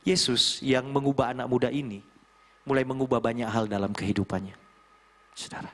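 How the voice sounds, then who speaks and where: A middle-aged man preaching a sermon in a church, telling a story with lively animation. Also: mid-range voice, brisk. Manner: lively storytelling, mimics voices, chuckles. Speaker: pastor. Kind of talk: sermon with acted quotes.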